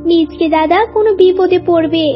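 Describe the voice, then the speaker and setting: A woman voicing a small, insistent cartoon animal with a squeaky, childlike delivery. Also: fairly even intonation, a little fast. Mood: worried, pleading. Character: small animals: worried mouse, brazen scolding crow. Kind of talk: cartoon voice acting. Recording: dull lo-fi audio, music behind.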